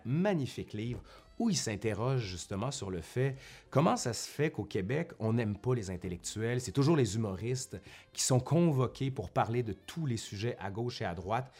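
Low-ish and slightly mellow, the voice belongs to a chatty man from Quebec with a Québécois French accent, a university professor who makes history videos on YouTube. Speaking to viewers from his home in front of a bookshelf, he gives a casual vlog monologue, correcting himself and adding colloquial asides.

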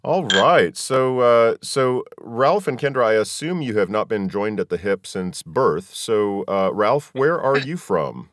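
A man's voice: on the low side, animated, a little slow, few pauses, a bit bright, no room sound, clean studio sound. A man hosting a podcast, chatting casually as he interviews guests. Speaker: podcast host.

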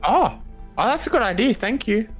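A woman's voice: a little high, animated, normal speed, faint music behind. A woman playing a tabletop role-playing game, chatting casually in character.

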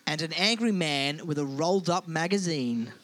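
A man's voice: fairly high pitch, animated, moderate pace, noisy background. A man co-hosting a podcast, telling a story in a playful, teasing, casual way. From United Kingdom. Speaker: podcast co-host. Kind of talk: casual comedic chat.

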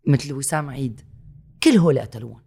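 A man speaks Arabic-accented Lebanese dialect in a conversational, political register. His pitch sits in an ordinary middle range, and he drives points home by repeating phrases and posing rhetorical questions, slipping in French and English words. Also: fast talker, creaky, dark tone, breathy edge.

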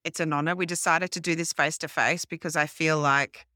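A woman in her forties with an Australian accent, French her first language, telling her life story in a restless, quick, self-correcting way as a podcast guest in a hotel room. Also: low-pitched, fairly even intonation, sharp tone, no room sound, studio quality. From grew up in French Polynesia, then Australia. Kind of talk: casual interview storytelling.

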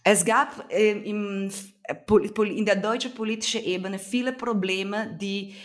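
A woman's voice: medium pitch, steady tone, a little slow. Earnest woman with a Brazilian accent. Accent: Brazilian Portuguese. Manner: earnest, emphatic, searching for words. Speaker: activist guest. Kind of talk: conversational interview.

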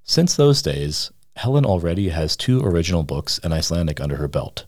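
Deep-voiced male feature reporter. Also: very animated, darkish tone, no echo, studio quality. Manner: measured, reads quotes aloud in the same voice. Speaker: radio reporter. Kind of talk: scripted news feature narration.

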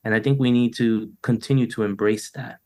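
Middle-aged new guy musing over a video call, lots of "you know", plain mid-pitched voice. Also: fairly even intonation, fairly quick, a little mellow. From United States. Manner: thoughtful, loose, many "you know" fillers and restarts. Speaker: poet, interview guest. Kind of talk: reflective conversational interview.

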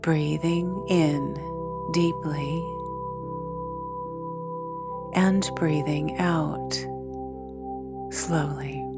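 A woman leading a guided meditation in a soothing, measured way, leaving long pauses between phrases. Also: deep voice, fairly even intonation, creaky. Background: meditation music with singing bowls.

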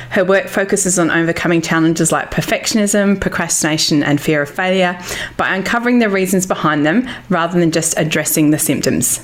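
A woman hosting a podcast interview, chatty and bubbly, laughing often. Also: lowish voice. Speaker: podcast host. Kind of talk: casual interview chat.

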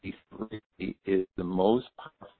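A man explaining health science in a halting way, with many fillers, on a phone line that breaks up and cuts out. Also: low voice, steady tone, dry recording. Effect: phone line breaking up, cutting out. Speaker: health expert guest. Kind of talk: phone interview. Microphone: phone held to the ear. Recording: tinny dry phone line.

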